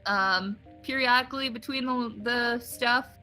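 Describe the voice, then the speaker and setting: A woman with a fairly high, bright voice talks casually through a game playthrough. Soft game music runs behind her as she streams. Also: measured pace.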